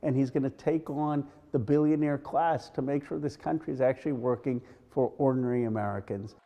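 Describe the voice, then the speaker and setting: A man's voice: medium pitch, steady tone, fairly quick, long reverb tail, muffled recording. A man giving an emphatic, rousing rally speech in support of a candidate. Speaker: campaign speaker.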